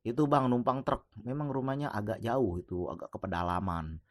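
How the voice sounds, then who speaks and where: A man retelling the words of a poor, quiet and polite teenage boy in soft, hesitant replies. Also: medium pitch, steady tone, a little fast, no room sound, clean studio sound, pitched above the performer's own voice, lightly acted.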